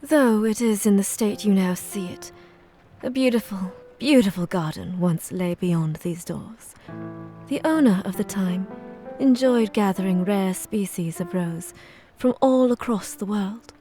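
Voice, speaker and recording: A woman playing a pale, eerie, courteous maid in an audio drama, with formal, archaic, measured speech. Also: medium pitch, warm tone, lightly acted. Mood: courteous, inviting. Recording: music behind the voice.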